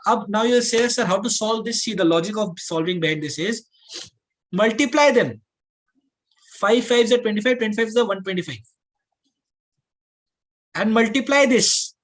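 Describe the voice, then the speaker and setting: A man's voice: high-pitched, poor audio. A man with a South Asian accent teaching a class step by step, repeating points, mixing English with Hindi and often checking understanding with questions. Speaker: aptitude teacher. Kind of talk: classroom lesson, explaining step by step.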